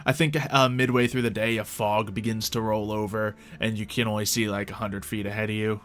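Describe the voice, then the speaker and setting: Bright-voiced man running a tabletop game. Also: on the low side, little pitch movement, brisk. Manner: chuckling, joking with players. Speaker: game master. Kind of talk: casual tabletop roleplay narration.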